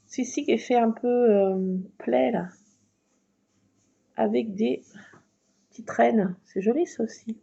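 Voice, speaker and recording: A woman chatting through a casual craft tutorial at home at night, keeping her voice hushed and often slipping into a whisper, with rambling asides. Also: on the high side, slow, creaky, pauses often, breathy edge. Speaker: craft video maker. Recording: muffled lo-fi with faint noise.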